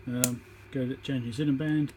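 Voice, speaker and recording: A man's voice: medium pitch, steady tone, moderate pace, a little mellow, a little hiss or hum, low-quality recording. A man giving an informal, matter-of-fact hands-on repair tutorial, thinking aloud as he works, recorded on a phone on a tripod. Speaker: electronics repairer demonstrating.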